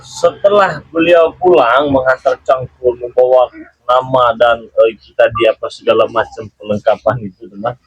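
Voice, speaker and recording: A man's voice: mid-range voice, fairly even intonation, moderate pace, breathy edge, dry recording, highs cut off. A man hosting a live stream, telling a rambling story with frequent chuckles and questioning a child. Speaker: channel host.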